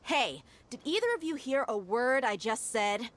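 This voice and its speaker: A woman's voice: a little high, expressive, normal speed, a little hiss or hum, lightly acted. An actress playing a brash, tough mercenary woman in an anime-style video game, blunt, sassy and confrontational. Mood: mocking, scolding. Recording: loud music behind.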